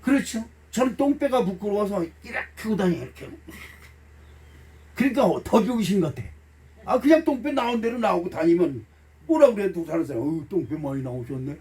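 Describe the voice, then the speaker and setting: A middle-aged male pastor with a high, very animated voice preaches in a folksy, emotional way, acting out voices and tossing blunt jokes to his congregation. He is picked up from a distance in a church, so the sound is set back from the mic. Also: a little fast. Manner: blunt, joking asides to the congregation. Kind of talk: sermon. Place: church sanctuary.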